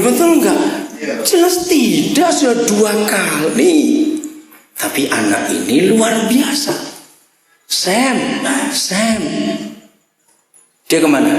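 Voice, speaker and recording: A man preaching a lively sermon, questioning the congregation and acting out voices. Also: a little high. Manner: animated, asks the congregation questions, acts out voices. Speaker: pastor. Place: large church hall with congregation. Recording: very echoey hall with crowd.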